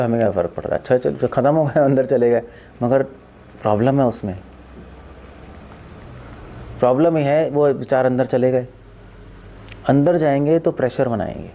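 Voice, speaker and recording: A man, a monk who was once a doctor, giving a spiritual talk and telling stories that act out what people think and say. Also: mid-range voice. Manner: animated storytelling, acts out quoted thoughts and repeats phrases. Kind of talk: spiritual discourse.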